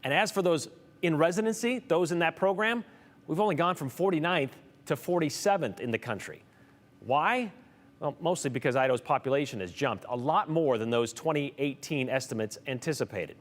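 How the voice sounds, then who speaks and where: A man reporting a local TV news story, with a lively, emphatic delivery. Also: on the high side, brisk, long reverb tail.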